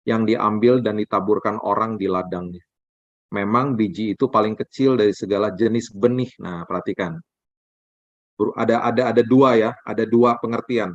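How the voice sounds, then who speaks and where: A man's voice: lowish voice, no echo. A middle-aged man preaching a sermon, telling a personal story and acting out the dialogue in it. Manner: animated storytelling, acts out dialogue. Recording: dry, dull lo-fi sound.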